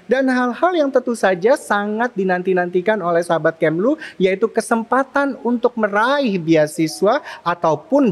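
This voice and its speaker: A woman with an Indonesian accent, presenting and chatting as the host of an interview show. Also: mid-range voice.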